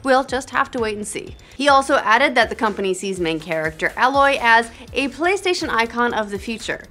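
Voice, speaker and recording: A young woman hosting a scripted gaming news show, reading stories briskly with upbeat, jokey asides. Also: on the high side, big pitch swings, pushed and bright.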